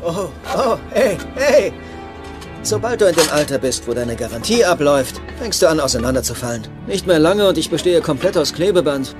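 Fretful, loving middle-aged robot dad, animated film, very lively pitch swings, hesitant and earnest, music behind. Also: male voice. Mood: flustered. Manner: hesitant, earnest, halting starts. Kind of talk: children's animated film dialogue.

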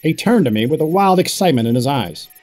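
A man's voice: fairly high pitch, expressive, fast talker, darkish tone, faint music behind, natural voice. A man playing a wry, put-upon boss who narrates his own story in an audio drama, with dry delivery. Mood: resigned. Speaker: narrator and character. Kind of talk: first-person audio drama narration and dialogue.

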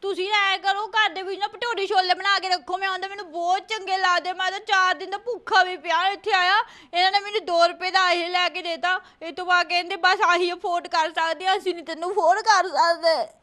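A woman voicing a cheeky little boy who whines and begs to be adopted, with quick comebacks. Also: very high voice, steady tone, sharp tone. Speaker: comedy show host.

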